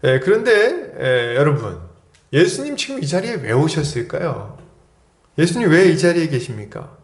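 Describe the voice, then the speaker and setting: Story-telling pastor in an echoey hall. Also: male voice, a little high, very animated, normal speed. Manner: storytelling, acting out quoted lines, asks the congregation questions. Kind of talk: expository sermon.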